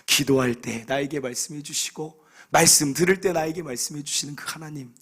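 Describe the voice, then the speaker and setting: Husky high-voiced male pastor preaching. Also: brisk. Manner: animated storytelling, acting out scripture dialogue. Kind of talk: sermon.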